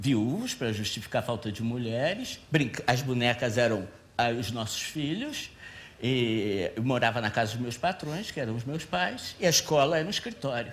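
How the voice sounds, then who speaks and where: Here is a man with a plain, everyday voice, pitched in the medium range. He moves at a moderate pace and his pitch varies in an ordinary way. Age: 60s. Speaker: author. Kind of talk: talk show interview.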